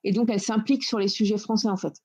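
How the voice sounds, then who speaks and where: A woman's voice: mid-range voice, fairly even intonation, rapid-fire, a little mellow, husky. A woman in her twenties from France, talking in a casual group discussion and searching for her words as she goes. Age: 20s. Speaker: discussion guest. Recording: dull lo-fi sound.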